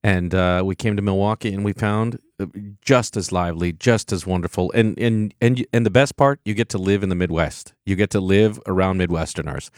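A man's voice: low-pitched, a little fast, dry recording, studio quality. A man being interviewed on radio as an actor guest, talking eagerly and often restarting and repeating words.

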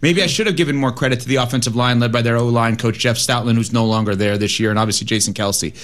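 Animated man debating sports. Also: medium pitch, quick pace. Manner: animated, self-interrupting, repeats words. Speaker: sports talk show co-host.

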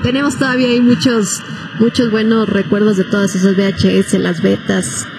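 A woman's voice: medium pitch, flat delivery, normal speed, vocal fry, noisy background. A woman doing live soccer commentary mixed with casual chat. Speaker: sports play-by-play commentator.

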